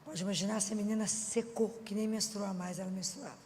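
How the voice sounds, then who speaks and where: Woman, Minas Gerais accent, mid-pitched voice, informal sermon, rhetorical questions, long hall echo. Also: fairly even intonation, brisk, a little mellow, slight background noise. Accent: Minas Gerais Portuguese. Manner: chatty, full of rhetorical questions. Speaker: Christian speaker. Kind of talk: informal preaching to an audience.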